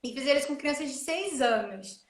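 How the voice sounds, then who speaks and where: Woman host, high voice, animated explainer, echoey room. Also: a little fast. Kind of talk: casual live chat. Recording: roomy echo.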